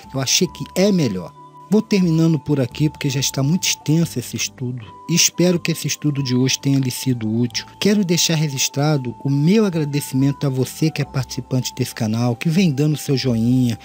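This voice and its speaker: An earnest, informal lesson comes from the middle-aged Brazilian host of an audio mixing tutorial channel, whose voice is on the high side with a darkish tone. A tongue-tied lisp slurs his s sounds, and he addresses listeners formally while repeating and rephrasing himself.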